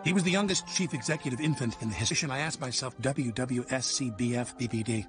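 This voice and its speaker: A man voicing a bossy, self-important baby executive in an animated film, with brisk, businesslike delivery. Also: mid-range voice, close to an everyday voice. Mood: proud. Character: bossy suit-wearing baby executive, cocky and impatient. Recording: film music behind the voice. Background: music.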